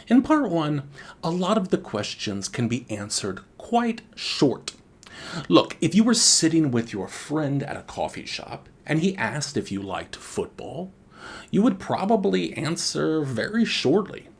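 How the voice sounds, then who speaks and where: A man teaching exam speaking skills in a scripted video lesson, speaking deliberately with expressive intonation. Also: fairly high pitch, creaky, slightly rough. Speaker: IELTS teacher and former examiner.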